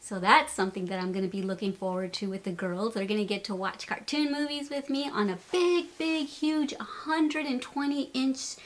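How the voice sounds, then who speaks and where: A woman in her late forties hosting a children's channel, chatting to little kids with frequent laughs, in a home room. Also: fairly high pitch. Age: 40s. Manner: chatty, laughs often, speaks slowly and sweetly to kids. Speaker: channel host. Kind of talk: warm casual talk to young children. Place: home room with a wall of books.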